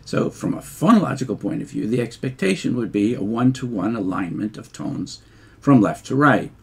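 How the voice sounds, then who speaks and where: An older man giving a measured lecture over slides, explaining step by step with fillers and restarts. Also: mid-range voice, expressive, vocal fry, husky. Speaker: linguistics lecturer.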